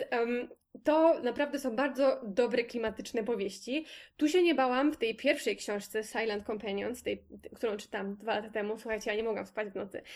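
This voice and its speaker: A woman with an ordinary speaking voice talks at a fairly quick pace, fairly high in pitch with ordinary pitch variation. The recording is very clean, with a silent background. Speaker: book podcast co-host. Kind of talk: casual chat.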